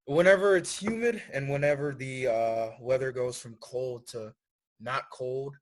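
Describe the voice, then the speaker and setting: A relaxed young man from Thailand chats as a podcast guest, speaking at an ordinary pitch. He answers in an easygoing, thoughtful way. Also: a little slow. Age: 20s. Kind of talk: casual interview chat.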